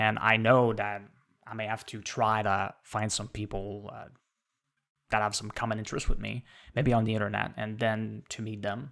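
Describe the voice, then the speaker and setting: A man speaks in a monotone, flat intonation at fairly low pitch and a moderate pace. His loudness swings widely, in a very clean recording with a silent background. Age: 30s. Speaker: vlogger. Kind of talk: testimony. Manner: halting.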